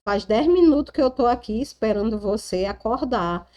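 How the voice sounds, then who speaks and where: A woman's voice: on the high side, animated, moderate pace, mellow, lightly acted. A woman with a Brazilian Portuguese accent reading the lines of a sarcastic, teasing landowner man in a storybook retelling. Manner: mocking, teasing, turning cold.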